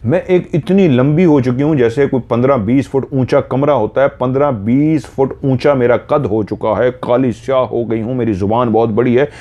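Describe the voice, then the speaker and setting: A man's voice: medium pitch, normal speed, few pauses, dark tone, highs cut off. A man telling a horror story, earnestly retelling a listener's dream in first person and drawing out repeated phrases.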